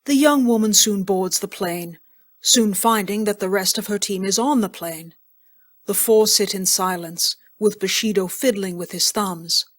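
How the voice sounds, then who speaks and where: A woman's voice: medium pitch, measured pace, no room sound, studio quality. A woman reading scene directions as scripted narration for an audio drama.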